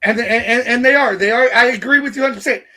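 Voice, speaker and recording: A man's voice: very high voice, fast, sharp tone. A man co-hosting a casual sports chat, talking in a rambling way with repeated words.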